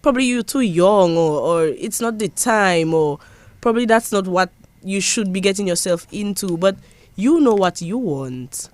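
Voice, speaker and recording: A woman's voice: medium pitch, animated, moderate pace, darkish tone, dry recording. Earnest young Dominican woman, dry sound. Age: young adult. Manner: earnest, emphatic, with repeated restarts. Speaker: parliamentary secretary. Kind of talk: interview.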